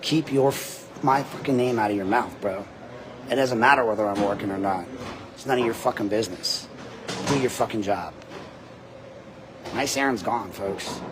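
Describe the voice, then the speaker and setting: With audible room echo and noticeable background noise, a man speaks with long, frequent pauses. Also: ordinary pitch variation, moderate pace. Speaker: independent journalist livestreaming at city hall. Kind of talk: angry livestream rant. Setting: outdoors at city hall, live on scene. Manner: loud.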